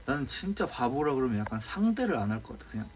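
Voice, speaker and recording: A man's voice: mid-range voice, very animated, fast talker, faint music behind. A young man from South Korea chatting casually and with easygoing amusement on a livestream. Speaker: idol livestream co-host.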